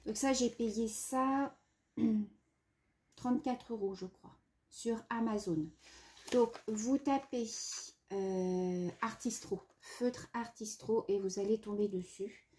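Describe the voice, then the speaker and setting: A woman's voice: a little high, slow pace, darkish tone. A woman vlogger chatting casually about art supplies, sniffling from a runny nose and hesitating often. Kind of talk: casual chat.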